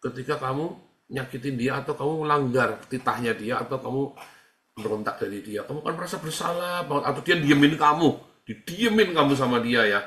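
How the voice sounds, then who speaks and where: A man's voice: medium pitch, expressive, a little fast, pushed and bright. A man speaking as a pastor, teaching in a casual, conversational way, repeating phrases and acting out quoted dialogue. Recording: roomy echo.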